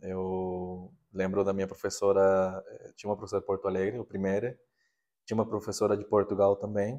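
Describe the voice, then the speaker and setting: In a dark, mellow tone, a man speaks fairly quickly at a fairly low pitch, monotone and flat in intonation, with big swings in loudness over a quiet background. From Peru, Arequipa (south). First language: Spanish (speaking Portuguese). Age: 20s. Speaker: podcast guest, Peruvian living in Brazil. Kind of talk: casual interview chat.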